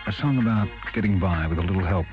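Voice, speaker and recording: A man's voice: low voice, fast, lo-fi sound, loud music behind the voice. A man doing casual, ad-libbed radio announcing on a 1970s aircheck.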